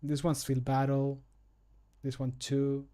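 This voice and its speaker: A man's voice: mid-range voice, monotone, takes it slowly, mellow. A man in his thirties chatting casually and self-deprecatingly as he works, muttering to himself on a close microphone at home. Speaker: streamer and amateur voice actor. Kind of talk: casual chat while working. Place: home room, indoors. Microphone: close desk microphone.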